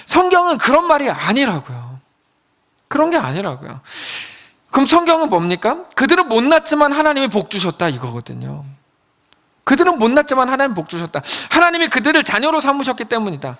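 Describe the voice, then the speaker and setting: A man preaching a sermon as a pastor, telling the story with lively storytelling and acting out the quoted lines in a lower voice.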